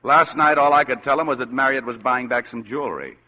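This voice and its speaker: An actor playing a world-weary, wisecracking private detective who also narrates, in a 1940s radio drama. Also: male voice, mid-range voice, brisk, close to an everyday voice. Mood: sardonic. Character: wisecracking hard-boiled private eye, weary man. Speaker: narrator of the story. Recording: dull lo-fi old radio broadcast.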